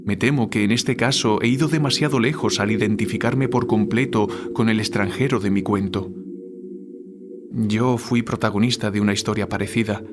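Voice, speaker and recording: A man playing a troubled, guilt-ridden writer in an audio drama, speaking in a solemn, deliberate, literary way. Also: on the low side, steady tone, noisy background, natural voice. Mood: regretful.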